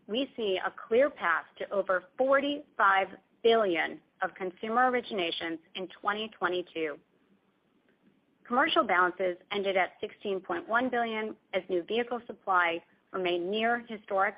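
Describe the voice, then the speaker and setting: Woman executive on dull conference call audio. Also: mid-range voice. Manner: formal, measured corporate delivery. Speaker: company executive presenting financial results. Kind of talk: scripted earnings call presentation.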